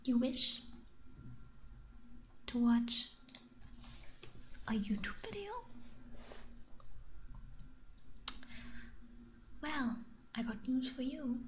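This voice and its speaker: A woman playing a condescending, suspicious AI age-checker that feigns friendliness, whispering haltingly in an ASMR roleplay. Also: high-pitched, lively intonation, a little hiss or hum. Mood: falsely friendly.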